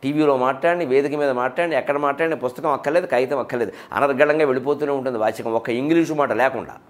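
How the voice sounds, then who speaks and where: A man's voice: medium pitch, very fast. A man giving an emphatic public lecture on literature and culture, firing rhetorical questions and mimicking others as he goes.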